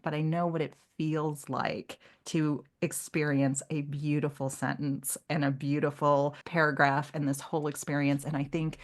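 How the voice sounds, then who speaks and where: A woman's voice: low-pitched, level tone, moderate pace, few pauses. A woman co-hosting a literary podcast, chatting casually and animatedly, slipping into imagined quotes as she makes her point.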